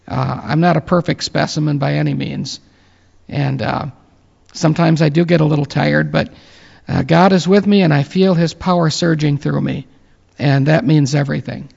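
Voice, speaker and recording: A man in his late fifties with a deeply gravelly, slightly high voice leads a reverent prayer. He talks earnestly, pausing with fillers. The recording is dull and carries a long reverb. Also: fairly even intonation, a little mellow. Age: 50s. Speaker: pastor. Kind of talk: closing remarks and prayer.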